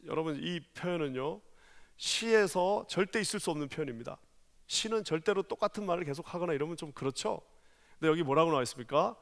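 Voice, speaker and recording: A male pastor delivers an impassioned sermon in a high-pitched voice that swells and drops for emphasis. The sanctuary carries a long, ringing reverb. He lifts his voice sharply whenever he acts out the words of other people. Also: expressive, fast talker, vocal fry. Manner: impassioned preaching, rising to loud taunting voices for quoted people. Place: large church sanctuary.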